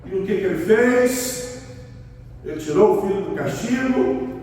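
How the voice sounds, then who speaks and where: Brazilian pastor preaching in an echoey hall. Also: male voice, sits high, lively intonation, a little slow, darkish tone, distant mic, soft background music. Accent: Brazilian Portuguese. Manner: emphatic, repeats key phrases, acts out a father's stern talk. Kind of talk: sermon. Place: large church hall.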